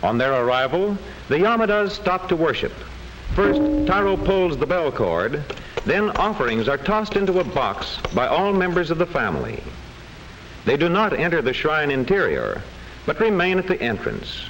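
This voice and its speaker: Man, classroom film narrator, highly animated melody, slightly high voice, measured scripted storytelling, faint hiss of an old film soundtrack. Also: rough recording.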